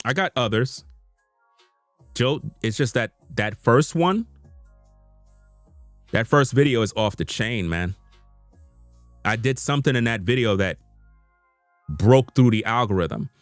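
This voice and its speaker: A man's voice: lowish voice, expressive, takes it slowly, long pauses, no room sound, faint music behind. A man, talking to his viewers in an unscripted live stream from his computer, earnest and repetitive, with informal slang. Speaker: YouTube content creator. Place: home room at a computer.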